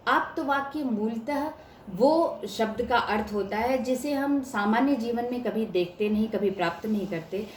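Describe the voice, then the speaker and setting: A woman's voice: on the high side, unhurried. Woman lecturing in an echoey room. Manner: explanatory, stresses words to show examples. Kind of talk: academic lecture. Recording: echoey room with faint hiss.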